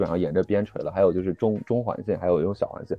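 Music plays in the background as a man speaks in a fairly low voice. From Lanzhou, Gansu, northwest China. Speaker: podcast co-host. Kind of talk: casual chat.

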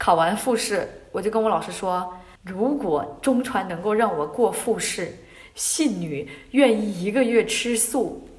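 Speaking at a fairly slow pace with lively intonation, a woman with a fairly high pitch is heard amid audible room echo. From southern Fujian. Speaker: broadcasting student. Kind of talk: casual chat.

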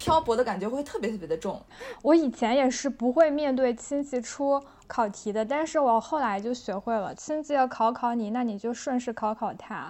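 Speaking at a moderate pace, a woman with a high pitch and a dark, mellow tone shows ordinary pitch variation. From Jiangsu. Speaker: journalist. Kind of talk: casual chat.

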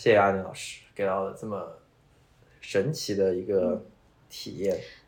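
A man with a fairly low pitch speaks at a fairly slow pace, leaving long, frequent pauses. His loudness swings widely, and audible room echo surrounds his voice. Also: ordinary pitch variation. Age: 20s. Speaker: podcast co-host. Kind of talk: casual chat. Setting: in person, Stockholm. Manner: animated.

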